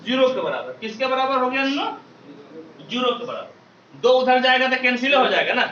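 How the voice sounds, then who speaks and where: Male maths teacher, very high and bright, recorded from a distance in a roomy classroom; drills the class call-and-response style. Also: sing-song, normal speed, highs cut off. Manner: quizzes students, repeats questions, calls them babu and beta.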